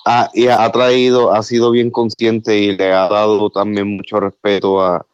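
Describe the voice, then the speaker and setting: A man's voice: lowish voice, monotone, normal speed, clean tone, no room sound. Laid-back man, dull dry sound. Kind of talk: casual chat. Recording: dull dry lo-fi with faint music.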